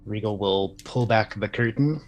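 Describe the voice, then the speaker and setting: Low-voiced man at a game table. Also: moderate pace, faint music behind. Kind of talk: casual, describing character's actions.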